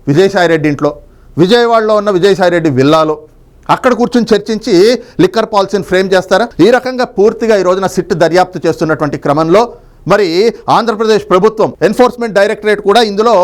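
Male political analyst, high pitch, quick delivery, emphatic monologue style with rhetorical questions. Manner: emphatic, long winding sentences with rhetorical questions.

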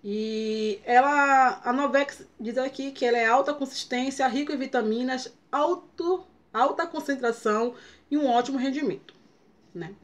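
A woman's voice: sits high, normal speed. A young Brazilian woman with a tongue-tied speech impediment, giving a casual, playful product review and stumbling over harder words. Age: young adult. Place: small bedroom, indoors.

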